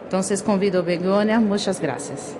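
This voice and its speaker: A woman with a Brazilian Portuguese accent introducing a conference speaker in careful, slow Spanish that is not her first language, restarting words often. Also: medium pitch, noisy background. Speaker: conference moderator. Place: conference room.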